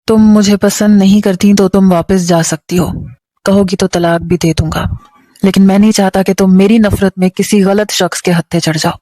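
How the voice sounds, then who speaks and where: A woman's voice: mid-range voice, fairly even intonation, dark tone, dry recording, lightly acted. A woman reading as a stern, guarded young husband. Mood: subdued.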